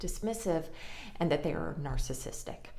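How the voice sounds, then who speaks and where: This woman speaks at a moderate pace with ordinary pitch variation, and room echo can be heard. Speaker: mental health vlogger. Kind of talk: casual vlog monologue. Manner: halting, stammering.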